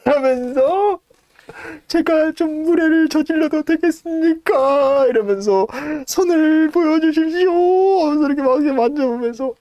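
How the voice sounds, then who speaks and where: A man voicing a very old, loyal male servant who pleads in a high, trembling voice. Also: normal speed, warm tone, no room sound. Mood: awed.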